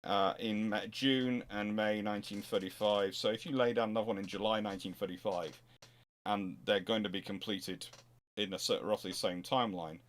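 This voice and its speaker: A man hosting an unscripted history talk, answering questions in a rambling, halting way as he thinks aloud. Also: fairly low pitch, steady tone. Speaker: host answering audience questions.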